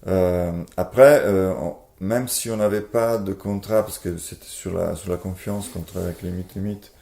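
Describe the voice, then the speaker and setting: A man's voice: sits low, fairly even intonation, normal speed, vocal fry, dark tone, echoey room. A man with an Italian accent, a board game publisher talking casually in an interview, hesitant with many fillers and restarts.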